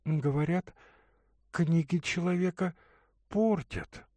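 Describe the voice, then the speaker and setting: A man reading aloud and voicing a gentle, caring young woman who speaks in a soft, singsong lilt. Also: a little high, slow pace, dry recording, clean studio sound, pitched above the performer's own voice. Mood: tender.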